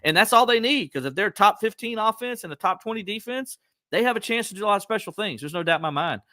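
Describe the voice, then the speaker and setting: A man's voice: fast, dry recording, studio quality. A man hosting a casual sports podcast, talking animatedly and acting out quotes. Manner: animated, acts out quotes with pitch jumps.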